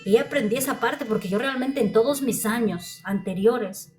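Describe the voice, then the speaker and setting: A woman's voice: fairly high pitch, moderate pace, a little mellow, faint music behind. A woman preacher giving a heartfelt sermon testimony, often repeating her phrases. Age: adult.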